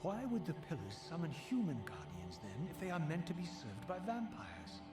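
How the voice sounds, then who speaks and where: An actor playing a bitter, proud undead wraith in a video game, speaking in a formal, theatrical way. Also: male voice, on the high side, huge pitch swings, moderate pace. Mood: probing. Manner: formal, dramatic, theatrical delivery. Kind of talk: scripted video game cutscene acting. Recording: echoey, distant game audio over music.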